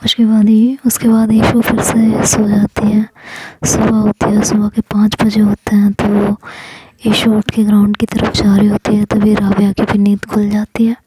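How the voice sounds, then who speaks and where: A woman narrating a love story in a soft whisper, close to the mic. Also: mid-range voice, completely flat delivery, normal speed, background noise.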